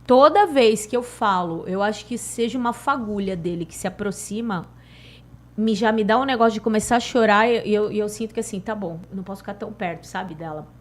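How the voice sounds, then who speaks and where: A woman with a Brazilian Portuguese accent from Santos, telling a personal spiritual story in an animated, emotional way on a podcast. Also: medium pitch, fairly quick. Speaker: podcast guest sharing a spiritual experience. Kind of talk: casual chat, storytelling.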